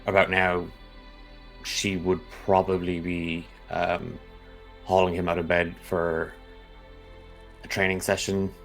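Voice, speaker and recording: A very deep, slow male voice that stays flat and even while he thinks through his character out loud. His speech is halting, with faint music under it. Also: rough recording. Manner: halting, thoughtful. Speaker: player. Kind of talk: describing his character in a tabletop game.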